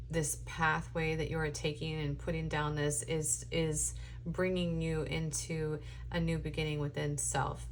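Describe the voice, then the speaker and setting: Low-voiced woman reading tarot, going hoarse. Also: slight background noise. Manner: meandering, thinks aloud with many ums. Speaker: tarot reader. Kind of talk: casual spoken tarot reading.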